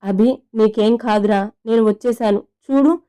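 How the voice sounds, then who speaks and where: A woman voicing a powerful young husband who gives stern, deep-voiced warnings, in her own even reading voice. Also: normal speed, clear, resonant tone, close to an everyday voice. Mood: tender. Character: powerful protective husband, commanding young man.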